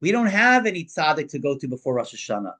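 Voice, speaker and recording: A man's voice: fairly high pitch, big pitch swings, quick pace, fairly bright tone. Man doing a shrewd stern Hasidic rabbi. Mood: earnest. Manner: pointed, building to outraged rebuke.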